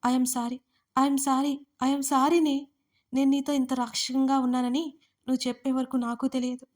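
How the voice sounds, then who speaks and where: A woman's voice: high-pitched, level tone, normal speed, darkish tone, natural voice. A woman voicing a remorseful young husband who pleads emotionally with his wife. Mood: pleading.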